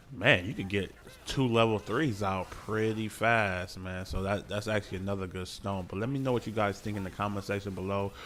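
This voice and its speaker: Mumbling at a fairly quick pace with hardly any pauses, a man talks at a fairly low pitch with fairly even intonation. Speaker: gaming youtuber. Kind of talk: casual gameplay commentary.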